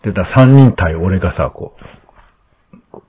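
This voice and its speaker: A man hosting a podcast, chatting casually and telling a story in an animated way, acting out the lines of the people in it. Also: sits low, moderate pace, breathy edge. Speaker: podcast host. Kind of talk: casual chat. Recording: dull lo-fi sound.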